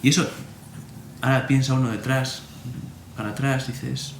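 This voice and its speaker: A man, a priest, telling a personal story in an animated way and acting out remembered conversations. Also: mid-range voice, moderate pace, vocal fry. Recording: roomy echo, faint room hum.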